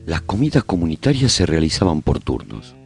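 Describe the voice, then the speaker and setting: A man playing a survivor who recounts life in a post-apocalyptic colony, narrating a radio serial in an expressive, husky storytelling voice. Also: low-pitched, fairly quick, music in the background, full character voice. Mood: hopeful. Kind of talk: scripted first-person radio drama narration.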